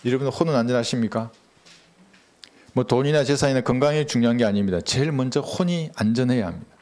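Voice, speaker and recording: Male pastor, mid-pitched voice, earnest measured sermon delivery, rhetorical questions to the congregation. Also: a little mellow.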